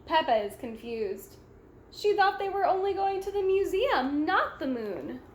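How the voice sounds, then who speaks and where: A woman with a high voice narrates a children's picture book. She reads slowly and deliberately, in an echoey room with faint noise behind her. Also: very animated. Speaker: storybook read-aloud reader. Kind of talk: children's storybook narration, read aloud.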